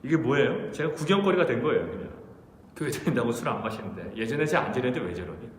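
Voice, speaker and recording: Korean pastor preaching in an echoey church. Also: male voice, mid-range voice, sing-song, fast talker. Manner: storytelling, acting out quoted voices. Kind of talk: early-morning sermon. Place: church sanctuary. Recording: echoey church hall with faint noise.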